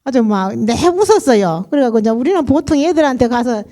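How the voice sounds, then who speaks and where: This middle-aged Daegu woman speaks quickly in Gyeongsang dialect, sharing a chatty testimony with her church congregation. Her high voice has a dark tone and lively intonation, and she laughs a lot while acting out what others said.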